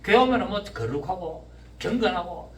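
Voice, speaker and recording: A man in his fifties preaches a sermon in a Gyeongsang accent, his fairly high voice swinging up and down as he shouts and questions the congregation. He is picked up from some distance, in a roomy church with clear echo. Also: expressive, normal speed. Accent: Gyeongsang Korean. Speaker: pastor. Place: church sanctuary. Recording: echoey church room, mic at a distance.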